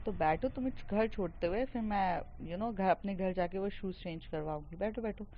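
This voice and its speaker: A woman's voice: medium pitch, moderate pace, slight background noise, close to an everyday voice. A woman voicing a caring, talkative young woman friend who fusses and coaxes, slipping English words into her speech. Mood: worried, fussing. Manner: fussing, coaxing, mixing in English. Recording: dull lo-fi recording.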